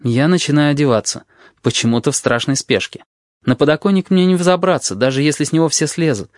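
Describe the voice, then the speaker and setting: A man's voice: on the high side, a little fast, no echo, studio quality. A man narrating a novel in the first person, reading expressively. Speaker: audiobook reader.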